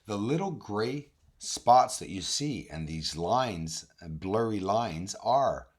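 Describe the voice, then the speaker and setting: A man with a hoarse, raspy, recovering voice hosts an informal walkthrough of images, talking emphatically and directly to his viewers. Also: lowish voice, expressive, takes it slowly. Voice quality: raspy, husky. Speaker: video host, amateur telescope observer.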